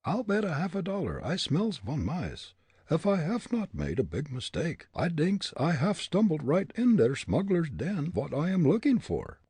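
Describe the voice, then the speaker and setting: Man putting on a high, sly German trickster. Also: wildly swooping pitch, moderate pace, dark tone, husky, no room sound, full character voice. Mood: sly musing. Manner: sly, amused muttering. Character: Fritz, mischievous young German ventriloquist sleuth.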